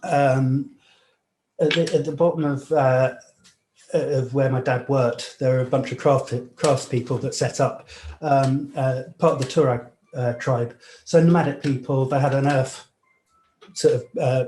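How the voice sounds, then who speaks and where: A young man from Nigeria talks through his jewellery work as he files and sands at the bench, relaxed and unhurried, with plenty of ums and restarts. His voice sits at an ordinary middle pitch. The small workshop is echoey, with a faint hiss and the clicks of tools behind him. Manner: relaxed, hesitant, many fillers, talks while working. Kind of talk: live demonstration with interview answers.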